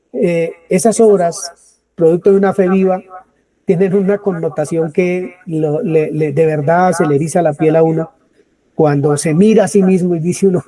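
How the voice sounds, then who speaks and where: A man's voice: fairly high pitch, mellow. A man preaching a sermon to a congregation, asking them questions and answering them himself. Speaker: preacher leading a Bible study.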